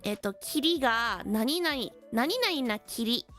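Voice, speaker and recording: A woman with a high, light voice teaches English vocabulary on a stream, switching between slow, deliberate English and quick casual Japanese. She answers chat with easy laughs, and faint music plays behind her. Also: expressive, a bit bright. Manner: chatty, laughs often, reads chat comments. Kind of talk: bilingual English lesson stream.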